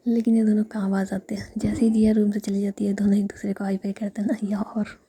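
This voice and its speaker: A woman narrating a story in a steady whisper. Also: medium pitch, quick pace, breathy edge.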